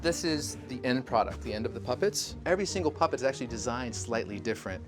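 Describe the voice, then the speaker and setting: Man, mid pitch, matter-of-fact explainer, music behind. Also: animated, quick pace. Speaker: puppet fabricator. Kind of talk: explaining his craft. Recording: background music under voice.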